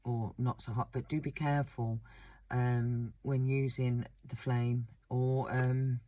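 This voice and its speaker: Croaky woman doing a wax seal craft video, flat and chatty, lots of ums. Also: very deep voice, slow pace. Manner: relaxed, chatty, many ums. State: croaky, sore throat. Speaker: craft channel host. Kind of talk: casual craft demonstration.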